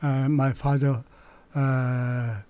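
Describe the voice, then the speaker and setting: A man in his eighties, native Korean speaker, recalling his childhood in a halting way with many pauses. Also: mid-range voice, level tone, warm tone, smooth, dry recording. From Manchuria. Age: 80s. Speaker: guest. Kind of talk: recalling memories in an interview.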